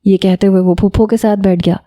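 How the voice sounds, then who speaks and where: Woman, storyteller, first-person romance narration, calm measured reading, very dark mellow tone. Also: mid-range voice.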